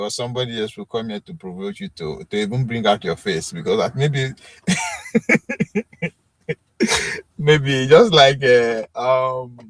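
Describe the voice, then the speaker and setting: A man's voice: mid-range voice, no echo, rough recording. A man with a Nigerian accent hosting a live stream, chatting with commenters in a rambling, self-assured way with many fillers. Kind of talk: casual chat with chat commenters.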